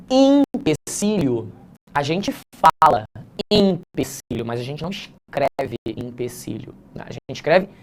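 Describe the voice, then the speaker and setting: Chatty male teacher explaining grammar. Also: fairly high pitch. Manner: chatty, explanatory, addresses students informally; mixes slangy asides with grammar points. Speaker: teacher correcting an exam essay. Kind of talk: casual classroom lesson.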